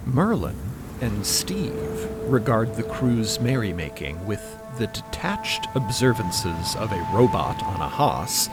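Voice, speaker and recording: A man narrating a scripted audio drama in a deliberate, wry way. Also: fairly low pitch, big pitch swings, loud music behind the voice.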